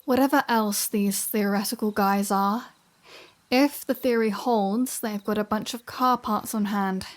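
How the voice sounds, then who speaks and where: A woman's voice: mid-range voice, steady tone, measured pace, natural voice. A woman playing a flirty, sardonic vampire in a scripted ASMR roleplay audio drama, with breezy, sarcastic banter. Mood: wry, breezy.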